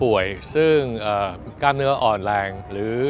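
There is light background noise as a man speaks with ordinary pitch variation, the sound dry with no echo. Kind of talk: public announcement speech. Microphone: lapel.

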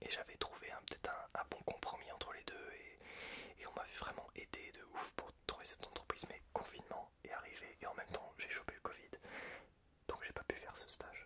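Soft-spoken and whispering, a man talks at a fairly quick pace. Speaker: video creator. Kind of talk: casual storytelling vlog chat. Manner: close-mic ASMR whisper, soft. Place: home room. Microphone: studio mic.

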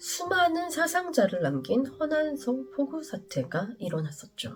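Over music in the background, the voice moves through very wide pitch swings at a very slow pace. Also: woman. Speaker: mystery storyteller. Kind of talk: mystery story narration.

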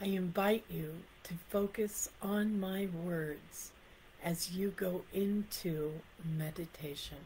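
A woman's medium-pitched, somewhat breathy voice, soothing and gentle with a dark, mellow tone, very slow and fairly even in intonation, over light background noise. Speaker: ministerial intern leading prayer. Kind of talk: guided meditation with slow repeated affirmations. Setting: live-streamed online video. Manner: slow, soothing breath cues; gentle, repeats each affirmation twice. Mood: calm, soothing. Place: home room. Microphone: webcam.

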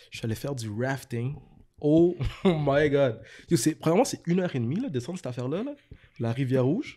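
A man with a Quebec accent speaks at a very fast pace, his tone dark and mellow. His pitch varies in an ordinary way over a quiet background. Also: fairly high pitch for a man. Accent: Québécois French. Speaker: podcast host and football coach. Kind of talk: casual chat. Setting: studio. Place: home room. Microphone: studio mic.

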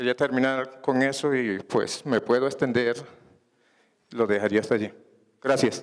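Fairly even intonation and very even loudness at a fairly slow pace, with long, frequent pauses and a quiet background. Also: man. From Colombia. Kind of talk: panel talk. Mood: calm, measured. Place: hall. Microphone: handheld.

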